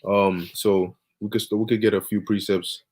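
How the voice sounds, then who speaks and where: A man's voice: fairly low pitch, flat delivery, moderate pace, a little mellow, a little hiss or hum. A man preaching on scripture over a video call, emphatic and peppered with "all right" and "okay".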